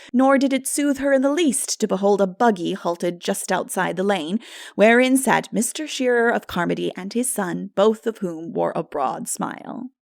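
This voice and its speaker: A woman's voice: medium pitch, gravelly, darkish tone, dry recording, clean studio sound. A woman reading a classic novel aloud as a scripted dramatic audiobook narration.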